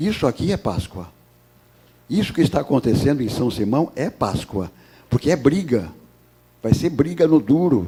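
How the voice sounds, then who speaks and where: This man talks at a moderate pace in a fairly high, dark and mellow voice with vocal fry, his pitch swinging very widely between long, frequent pauses. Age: 80s+. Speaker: invited speaker at city council. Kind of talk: public speech. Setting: city council chamber.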